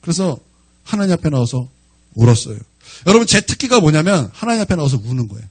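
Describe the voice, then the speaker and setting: A man in his forties, a pastor preaching a sermon, telling personal stories with emotional swings between loud outbursts and quiet asides. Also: on the high side, very animated, quick pace, breathy edge.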